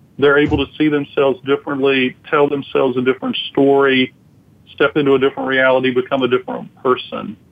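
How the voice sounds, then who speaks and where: A man with a Southern US accent talks at a very fast pace. His intonation is monotone and flat, and his loudness stays very even. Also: fairly high pitch for a man. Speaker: counselor and hypnotherapist. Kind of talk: interview. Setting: phone call.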